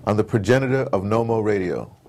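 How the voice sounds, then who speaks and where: A man's voice: fairly low pitch, lively intonation, fast, vocal fry, a little mellow. A middle-aged or older man in casual conversation as an interview guest, emphatic and rambling with slangy turns of phrase. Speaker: interview guest, audio drama producer.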